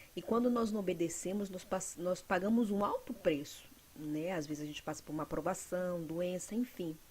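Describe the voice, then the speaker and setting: A somewhat breathy woman's voice with lively intonation. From northern Brazil, Pará. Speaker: evangelical preacher. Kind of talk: religious testimony.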